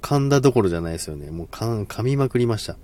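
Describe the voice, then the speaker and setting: A man's voice: lowish voice, animated, very fast, dark tone. A man hosting a casual live stream, polite and self-deprecating, laughing often and stumbling over words.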